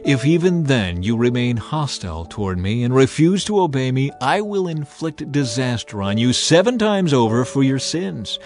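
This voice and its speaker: A man's voice: mid-range voice, darkish tone, lightly acted. Man voicing a solemn, commanding God over music. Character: God of the Bible, stern, authoritative male lawgiver. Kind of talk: dramatized scripture reading.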